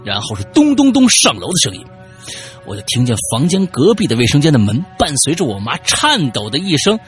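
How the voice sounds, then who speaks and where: A man hosting a podcast, telling a personal story casually, animated and stammering when excited. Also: medium pitch, fast talker, faint music behind.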